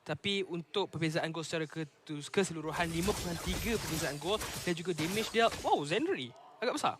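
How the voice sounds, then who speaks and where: Malaysian guy casting esports live, high pitched n really fast, excitable game announcer type. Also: noisy background. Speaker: esports match commentator. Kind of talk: live play-by-play esports commentary.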